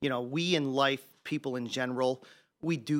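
In a very clean recording with a silent background, a man with an American accent speaks at a moderate pace. His medium-pitched voice holds a fairly even intonation. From rural Pennsylvania. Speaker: security consultant and former police detective. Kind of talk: interview. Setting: studio. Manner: hesitant, many fillers.

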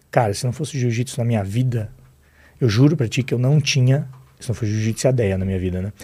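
A man's somewhat breathy, dark, mellow voice at a very fast pace, with ordinary pitch variation, in a very clean recording with a silent background. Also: medium pitch for a man. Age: 40s. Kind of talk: casual chat. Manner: animated.

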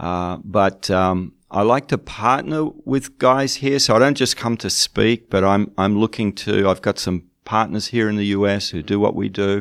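A man with an Australian accent speaks at a fairly slow pace with hardly any pauses. His fairly low voice has ordinary pitch variation, on a very clean recording with a silent background. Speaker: missionary leader and author. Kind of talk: interview.

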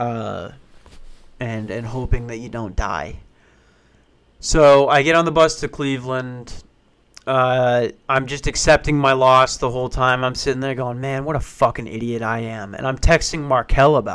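In a normal speaking voice, the speaker keeps a moderate pace and fairly even intonation, with big swings in loudness. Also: man, medium pitch for a man. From Minnesota. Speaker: podcast host. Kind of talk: solo comedic monologue.

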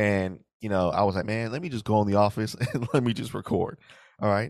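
The sound is dry and close with no echo, against a quiet background. A man speaks at a fairly low pitch. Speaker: bible teacher. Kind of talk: bible teaching. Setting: office. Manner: fast; animated.

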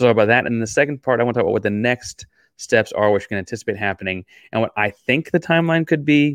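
Over a quiet background, a man speaks very fast at medium pitch with ordinary pitch variation, the sound dry and close with no echo. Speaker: sports podcast host. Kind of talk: solo sports podcast. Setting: home, TV on beside him.

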